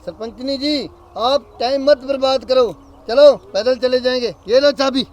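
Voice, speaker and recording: A man's voice: very high-pitched, fairly even intonation, a little slow. A man playing a meek village suitor who placates the headwoman and urges her to leave. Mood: placating. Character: meek village man courting the mother-in-law.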